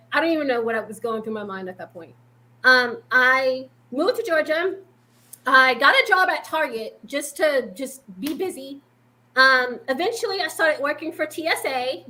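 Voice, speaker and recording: A woman from Boston tells her story as a guest in a loose, chatty way. She fills her sentences with ums and likes. Her voice sits high and sounds bright and sharp. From Boston, Massachusetts. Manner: chatty, rambling, with many fillers and frequent laughs. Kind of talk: casual interview talk.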